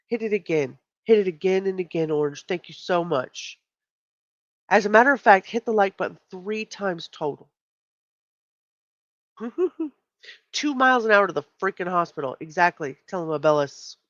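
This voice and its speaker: A woman's voice: medium pitch, expressive, normal speed, dry recording. A woman hosting a casual livestream, chatty and emphatic, with a stuffy nose. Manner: chatty, reacts to chat, emphatic. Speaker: livestream host. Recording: dull lo-fi stream audio.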